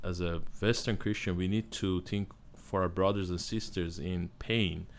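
A man who grew up in Iran with an Armenian-Iranian accent, a guest speaking in halting conversation and often pausing to search for words. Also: deep voice, fairly even intonation. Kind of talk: casual conversation.

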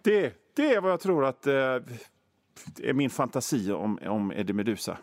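A man's voice: mid-range voice, very animated, no room sound, clean studio sound. A man hosting a radio show, rambling through a self-mocking comic monologue. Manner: rambling, self-mocking, many fillers and restarts. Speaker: radio host.

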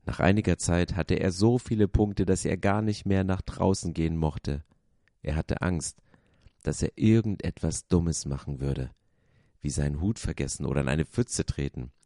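Deep dark-voiced guy reading a kids story aloud, expressive, dry close sound. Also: moderate pace, no echo. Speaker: pastor.

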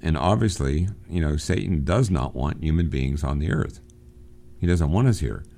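A man with a very low, mellow voice teaching literature on a recorded program. He talks in an unhurried way, often pausing on fillers and restarting his sentences. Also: animated, gravelly.

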